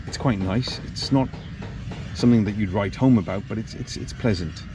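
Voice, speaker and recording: A man's voice: fairly low pitch, normal speed. A man giving a casual spoken motorcycle review, rambling with many ums and restarts as he stands beside the bike. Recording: loud outdoor noise behind the voice.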